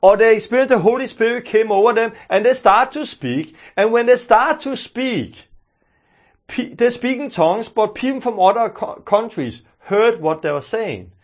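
A man's voice: extremely high pitch, expressive, normal speed, lo-fi sound. A man with a Danish accent, teaching a sermon in an earnest, emphatic way, repeating his key phrases. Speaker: preacher.

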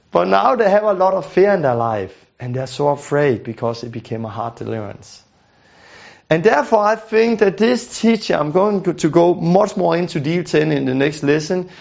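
A man's voice: on the high side, creaky, a little mellow. A man giving an earnest teaching lesson, often repeating words and restarting phrases. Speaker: teacher on deliverance ministry. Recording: dull lo-fi recording.

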